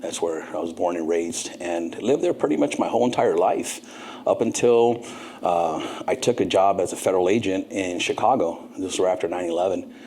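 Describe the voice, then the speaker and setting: Deep-voiced man telling his story. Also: normal speed, slight background noise. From Southern California. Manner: earnest, animated storyteller. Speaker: guest. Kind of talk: casual interview storytelling.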